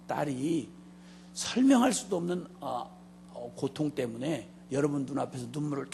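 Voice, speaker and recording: A middle-aged man preaching a sermon as a missionary, telling a story with humor and speaking straight to the congregation, moving between loud and hushed delivery. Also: mid-range voice, vocal fry, a little hiss or hum. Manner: joking, addresses the congregation directly.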